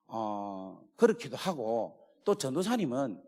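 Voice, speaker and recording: A man's voice: mid-range voice, very animated, takes it slowly. Man preaching with a Gyeongsang accent. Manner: storytelling, swings from hushed asides to shouting. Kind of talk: sermon. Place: church sanctuary. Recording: long hall reverb.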